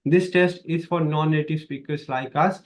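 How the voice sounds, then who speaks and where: A man's voice: a little high, moderate pace. A man in his thirties with an Indian accent, teaching exam speaking skills in an emphatic, repetitive coaching style. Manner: emphatic, repetitive coaching with lively hand gestures. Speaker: exam prep tutor. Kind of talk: instructional video lesson. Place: small dark studio, indoors.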